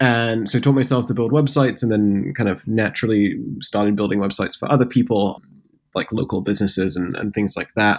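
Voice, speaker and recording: Ordinary pitch variation and a fairly low pitch mark a man's plain, everyday voice at a fairly quick pace. The recording is very clean, with a silent background. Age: 20s. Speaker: software company founder. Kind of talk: interview.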